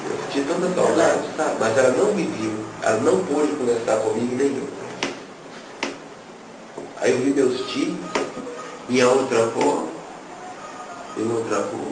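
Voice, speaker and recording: Over music, a man with a medium-pitched voice speaks a little slowly and pauses often as he gives an emotional religious testimony, telling his story and acting out its dialogue. The sound is echoey, distant and noisy.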